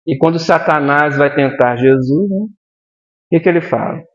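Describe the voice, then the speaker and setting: Brief: male pastor, animated sermon delivery, high and lively pitch, muffled lo-fi church recording. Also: moderate pace. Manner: animated, addresses the congregation directly with frequent "amém?".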